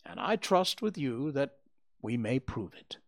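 A man doing a shrewd, unhurried detective, precise and probing, in a storybook reading. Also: mid-range voice, big pitch swings, pitched above the performer's own voice. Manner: precise, questioning. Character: calm shrewd male detective.

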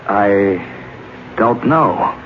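A man's voice: on the low side, expressive, drawn-out words. An actor playing a wary male scientist who also narrates the tale in a 1950s radio drama. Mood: cautious, reassuring. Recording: muffled, very noisy old radio recording.

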